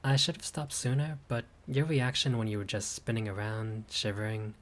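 A friendly young vampire, performed by a man, chats with his guest in a playful, showy way. His voice sits slightly low and relaxed. It is a scripted audio roleplay. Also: moderate pace. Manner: warm, chatty, playful.

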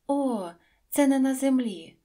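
A woman voicing a small, gentle boy prince who is lonely and wondering, in a high, soft, earnest voice. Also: expressive, slow pace.

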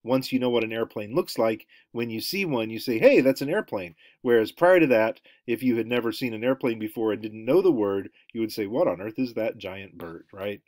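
A man's voice: fairly low pitch, animated, fairly quick, hardly any pauses, a little mellow, no room sound. Middle-aged guy teaching anthropology online, lots of ums, dry close sound at a home computer. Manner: rambling, many ums and uhs. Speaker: anthropology lecturer. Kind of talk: recorded online lecture over slides. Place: home room, indoors.

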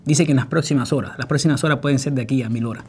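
A man's voice: medium pitch, rapid-fire, husky. Earnest Cuban man recounting his story. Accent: Cuban Spanish. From Cuba. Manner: earnest, acts out other people's words with rising voice. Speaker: former political prisoner recounting his story. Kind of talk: personal testimony.

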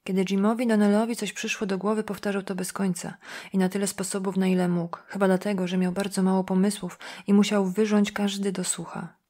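A woman reads a novel in the first person, quiet and inward. Her narration is measured and even, as if she is thinking aloud. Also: mid-range voice. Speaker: audiobook narrator.

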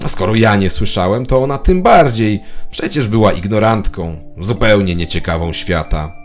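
Paranoid middle-aged male office drone played by a man, low animated voice, scornful audio-drama monologue. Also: normal speed, faint music behind. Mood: bitter, suspicious. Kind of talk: scripted first-person audio drama monologue.

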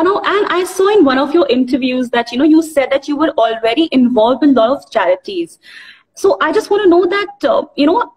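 A woman's voice: high voice, darkish tone, poor audio. A woman hosting an interview over a video call, asking questions with hesitant "uh" fillers. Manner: brief affirmations, hesitant "uh" fillers. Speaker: interview host. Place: indoors.

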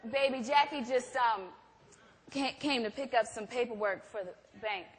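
An actress playing a nervous, exasperated wife in a stage play, pleading and flustered. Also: female voice, fairly high pitch, normal speed, lightly acted. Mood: nervous placating. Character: Gloria, nervous, exasperated wife under her husband's thumb. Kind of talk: theatrical stage play acting. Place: stage in a theatre hall. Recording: echoey theatre hall.

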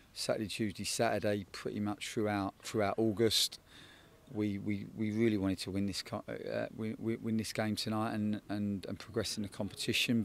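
Gravelly-voiced football coach, low and flat. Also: male voice. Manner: measured, repeats words while thinking. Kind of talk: post-match interview. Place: floodlit football stadium pitch at night, outdoors. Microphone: handheld interviewer microphone.

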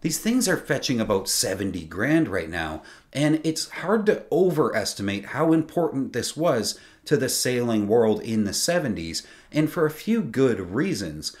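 Animated man hosting a sailing channel. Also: medium pitch, normal speed, few pauses. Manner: animated, emphatic, gestures with his hands. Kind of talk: scripted video commentary. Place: small home studio with lit shelves.

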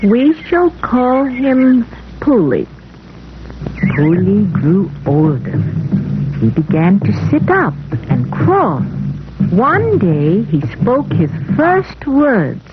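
A woman playing a mother who tells her children an old folktale in measured, deliberate storytelling, on a muffled old film soundtrack. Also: fairly high pitch, huge pitch swings, full character voice. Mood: solemn storytelling. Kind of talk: scripted folktale narration. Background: music.

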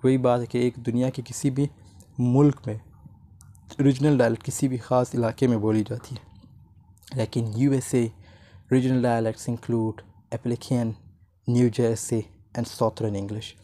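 A man with a very dark, mellow voice gives a recorded lesson over slides. He reads the English text slowly, word by word, then switches to a quicker, looser explanation. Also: mid-range voice, flat delivery. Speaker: teacher. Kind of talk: explaining from slides, reading lines aloud.

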